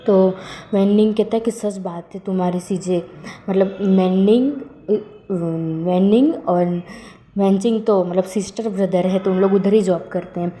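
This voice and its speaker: A woman's voice: mid-range voice, fairly even intonation, measured pace, dark tone, a little hiss or hum. A woman casually narrating a fan-fiction story, rambling with lots of filler words.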